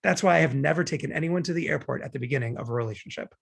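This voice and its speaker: Romantic comedy lead, man acting: glib, argumentative young man, husky fry-laden voice, very lively delivery. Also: fairly high pitch, rapid-fire, full character voice. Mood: glib, cynical. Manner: glib, opinionated, rambling justifications. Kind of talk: table read of romantic comedy script.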